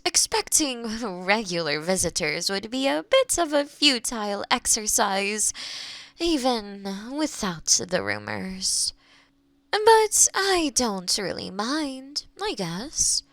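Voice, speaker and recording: A woman playing a kind, playful young witch who lives alone in the forest, speaking gently and teasingly to the listener in a roleplay audio drama. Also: fairly high pitch, big pitch swings, no echo, full character voice. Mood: cheerful, cosy. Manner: gentle, unhurried, teasing, with soft chuckles.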